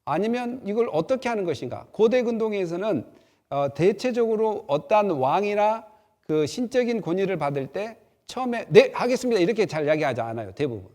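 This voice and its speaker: A pastor delivers a sermon in a conversational way, often slipping into acted-out quotes. His voice sits fairly high for a man and swings widely in pitch, lively and animated from phrase to phrase. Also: brisk. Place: church sanctuary.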